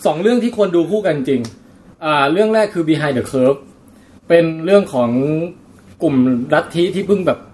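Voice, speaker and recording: A man co-hosting a casual chat, recounting what he watched in a relaxed storytelling way with playful asides. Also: a little high, normal speed. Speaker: podcast co-host.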